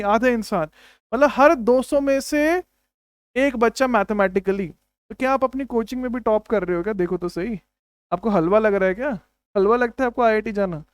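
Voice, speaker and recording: A man's voice: extremely high pitch, clear, resonant tone, no room sound, studio quality. Emphatic young man teaching chemistry. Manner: emphatic, repeats key phrases, calls students "my brother". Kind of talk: online exam-prep lecture.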